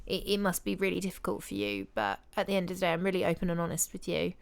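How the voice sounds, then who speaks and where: A woman's voice: fairly low pitch, very animated, fast talker, gravelly, smooth. A young woman with a giggly, blunt, sassy manner, chatting casually as a podcast co-host. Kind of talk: casual chat.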